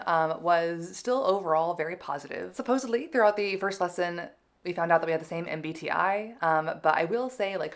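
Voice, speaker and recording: A woman's voice: on the low side, creaky. A woman vlogger talking casually to camera about learning a language, chatty and self-deprecating, with many fillers.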